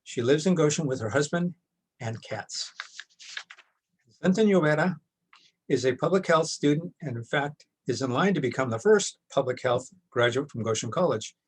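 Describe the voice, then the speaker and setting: A man moderating a workshop on a video call, giving a measured, formal welcome and reading introductions of the speakers. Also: a little high, lively intonation, slight background noise. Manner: measured and formal, reads introductions with occasional restarts.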